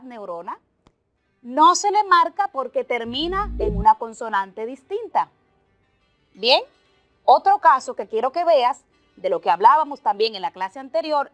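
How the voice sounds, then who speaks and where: Woman teacher, slightly high voice, unhurried, methodical, dry close sound. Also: fairly bright tone, no room sound. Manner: slow, deliberate explaining with lists and examples. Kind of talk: televised remote class.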